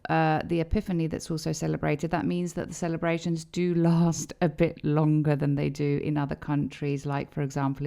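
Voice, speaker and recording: A woman's voice: low-pitched, vocal fry, a little mellow. A young woman who grew up in Greece, co-hosting a casual podcast and explaining things in an easy, chatty way. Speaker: podcast co-host.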